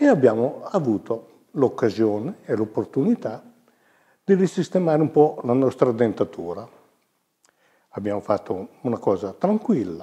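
Against a quiet background, a man with a dark, mellow tone speaks at a fairly slow pace, swinging very widely in pitch and leaving long, frequent pauses. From northern Italy, Piedmont (Lake Orta); Piedmont, Italy. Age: 70s. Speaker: dental patient. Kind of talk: testimonial.

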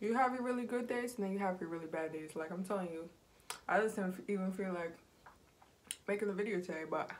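The woman's pitch varies in an ordinary way as she talks very fast. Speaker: food vlogger. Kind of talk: casual vlog chat. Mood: warm, reflective, upbeat. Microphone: phone near.

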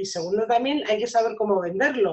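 Speaking with a Spanish accent, a woman uses lively intonation at a fairly high pitch. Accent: Peninsular Spanish. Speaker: small business owner. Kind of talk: webinar discussion.

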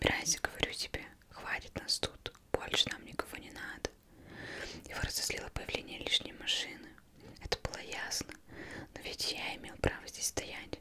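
A soft-spoken woman whispers at a moderate pace, with long, frequent pauses. Noticeable background noise sits behind her. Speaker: audiobook reader. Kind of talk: literary reading aloud. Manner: soft close-mic ASMR whisper. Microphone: studio mic.

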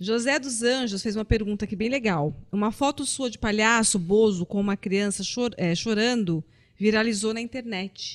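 A plain, everyday voice belongs to this woman, who speaks at a moderate pace with a fairly high pitch and ordinary pitch variation over a quiet background. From Brazil. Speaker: podcast co-host. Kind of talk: casual chat. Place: studio. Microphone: studio mic.

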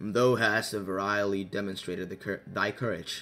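A man uses a put-on character voice pitched fairly low. He keeps to a moderate pace. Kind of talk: archaic, formal. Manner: solemn, dignified.

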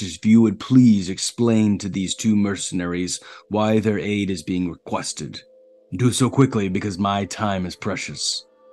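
With music in the background, a man does a gruff put-on character voice at a moderate pace, fairly low pitch and fairly even intonation. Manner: gruff, impatient, curt.

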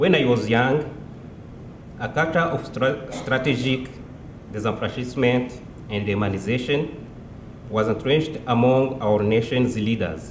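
A man talks with ordinary pitch variation and long, frequent pauses. There is light background noise and audible room echo. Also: fairly slow pace. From Rwanda. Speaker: genocide survivor giving testimony; speaker. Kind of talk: testimony. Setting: stage with audience at commemoration event. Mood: solemn, measured. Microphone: podium.

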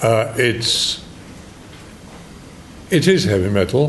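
Amid noticeable background noise, a man's voice swings very widely in pitch. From London, England. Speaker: actor. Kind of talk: interview answer. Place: home room.

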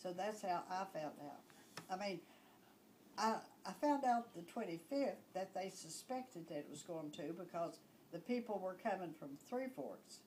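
A woman with an Appalachian accent, lively intonation and a fairly slow pace. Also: medium pitch for a woman. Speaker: flood survivor. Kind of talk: interview.

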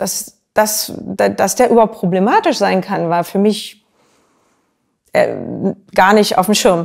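Over a quiet background, a woman speaks very slowly with long, frequent pauses. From Berlin, Germany. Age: 50s. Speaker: engineer, recovering alcoholic sharing her story. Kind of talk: testimony. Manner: hesitant, many fillers. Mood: calm, reflective. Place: home room. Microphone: lapel.

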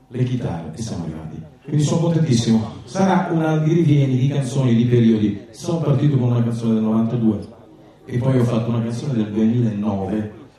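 A man talks at a fairly quick pace. Strong room echo and light background noise fill the recording. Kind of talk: stage banter to audience. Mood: relaxed, chatty. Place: stage.

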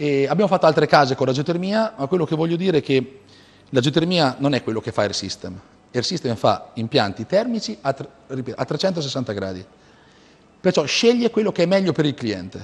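With vocal fry and very wide pitch swings, a man speaks at a moderate pace in a fairly high voice. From Italy, Marche (Fano); Marche, Italy. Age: 30s. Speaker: heating systems business owner; guest. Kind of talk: interview. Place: studio. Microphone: lapel.

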